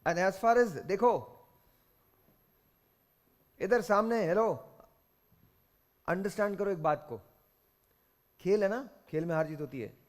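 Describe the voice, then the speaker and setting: A man's voice: sits high, lively intonation, slow pace, pauses often. A man with a Pakistani accent hosting a game show, lecturing contestants sternly and slipping into English phrases.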